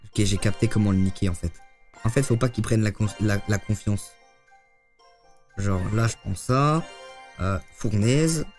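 Guy streaming a game live, lowish voice, gets worked up and swears, faint music behind. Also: measured pace, pauses often. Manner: excitable, swears often, talks to chat. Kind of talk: live gameplay commentary.

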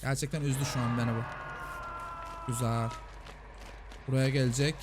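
A man streaming a multiplayer game, commenting rapidly and repeating short urgings to his teammates. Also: mid-range voice, little pitch movement. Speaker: gaming streamer. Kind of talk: excited Let's Play commentary. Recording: noisy game audio underneath.

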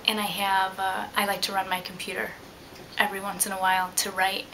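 A woman's voice: medium pitch, monotone, a little fast, sharp tone, poor audio. A young adult woman talking casually and reflectively as an interviewee about her own life, seated indoors. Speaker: liveaboard sailor being interviewed.

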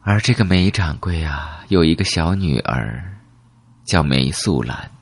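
A man voicing a calm, secretive elderly woman who reminisces in a measured, wistful way in an audiobook. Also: extremely low pitch, slightly rough, dry recording, full character voice. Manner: slow, measured, reminiscing with rhetorical questions.

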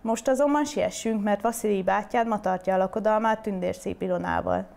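A woman's voice: mid-range voice, creaky, darkish tone, natural voice. A woman reading a fairy tale, voicing a loyal, wise grey wolf speaking to a prince. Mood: urgent.

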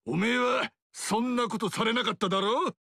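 Rowdy, gravelly tribal king. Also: normal speed, sharp tone, no echo, studio quality, heavily acted. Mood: explaining. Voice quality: raspy, gravelly. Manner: rough, rowdy, booming laugh. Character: boisterous burly tribal king, big-hearted. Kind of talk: video game voice acting.

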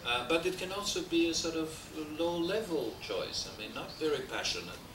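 A man's voice: a little high, expressive, moderate pace. Older Austrian-accented male lecturer, discursive and wry, recorded from a distance in an echoey hall on old noisy videotape. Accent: Austrian German. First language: German. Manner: discursive, frequent hesitations, dry humor. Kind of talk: academic lecture. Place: wood-paneled lecture hall. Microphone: desk mic on stand. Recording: roomy, distant, noisy VHS transfer.

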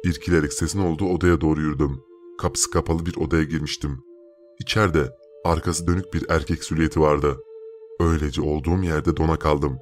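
A man narrating a first-person horror story in a steady, measured way. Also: rumbling low. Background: faint music.

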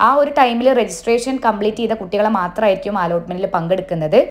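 A woman giving an informational update in a voice-over, brisk and instructive, with frequent filler sounds. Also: medium pitch. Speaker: education vlogger. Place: voice-over, not seen.

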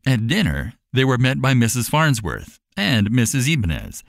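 A man narrating a scripted children's bedtime story in an animated storytelling manner. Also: medium pitch, moderate pace, creaky, dry recording, clean studio sound. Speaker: audiobook narrator.

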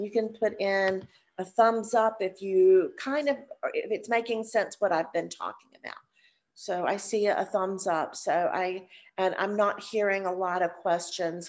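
An older woman teaching dementia care over a video call, chatty and encouraging, her voice stuffed up from a cold. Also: medium pitch. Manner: chatty, encouraging, addresses audience as y'all. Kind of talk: live online teaching session. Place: living room, seated on a sofa. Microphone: webcam on a video call.

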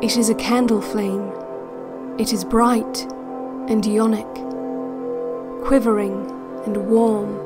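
Over loud ambient new-age music, a woman with a medium-pitched voice plays a calm yet controlling relaxation-cassette narrator in a scripted guided-visualisation audio drama. She sounds calm and instructive, offering hushed, measured guidance with deliberate pauses.

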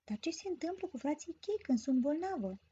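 High-voiced woman telling a grammar story. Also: animated, mellow. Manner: clear, explanatory storytelling. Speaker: teacher. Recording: dull lo-fi recording.

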